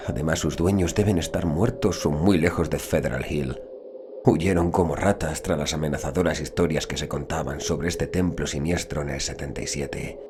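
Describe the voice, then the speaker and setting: A man's voice: low-pitched, background noise. A man playing a big, superstitious policeman who gives grave, ominous warnings in a dramatized horror audiobook.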